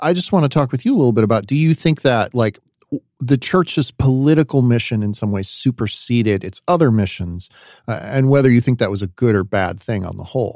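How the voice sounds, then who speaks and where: This man's voice has a dark, mellow tone and lively intonation. The sound is dry and close, with no echo. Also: medium pitch for a man, fairly quick pace. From rural US. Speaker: podcast host. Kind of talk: casual interview.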